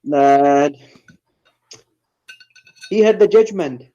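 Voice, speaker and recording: A man's voice: a little high, very slow, dark tone, muffled recording. A man calling into a debate, answering defensively and hesitantly with many fillers. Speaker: caller in a debate.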